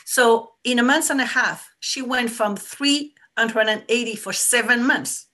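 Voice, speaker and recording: A woman's voice: on the high side, measured pace, fairly bright tone. A woman with a French accent, a business coach explaining her work in an earnest, repetitive way. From France. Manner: earnest and explanatory, stresses points by repeating them. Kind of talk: casual interview answers.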